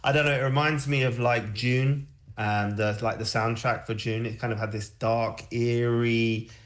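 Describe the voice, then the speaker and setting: A man's voice: mid-range voice, little pitch movement, moderate pace. A man hosting a music show, chatting casually about tracks in a rambling, hesitant way.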